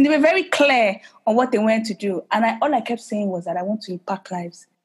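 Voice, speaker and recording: A woman speaks at a fairly high pitch, somewhat breathy, with a Nigerian accent. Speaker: entrepreneur and online course coach. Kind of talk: interview, telling her story.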